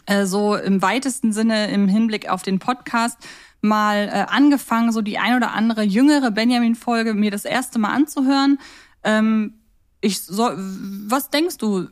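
A woman co-hosting a podcast, chatting casually in a reflective, questioning way. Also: fairly high pitch. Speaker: podcast co-host. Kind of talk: casual podcast chat about audio dramas.

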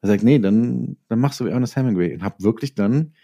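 A man's voice: mid-range voice, fast talker, warm tone, slightly rough. A middle-aged man speaking as an author being interviewed, thoughtful and often restarting his phrases as he searches for words. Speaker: interview guest, novelist and former advertising copywriter. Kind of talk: reflective conversational interview.

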